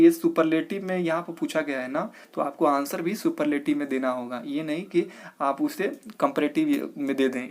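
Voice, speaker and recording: A young man, an exam coaching teacher, explaining test questions one by one and asking and answering his own questions as he goes. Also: on the high side. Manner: walks through each answer step by step, asks and answers his own questions.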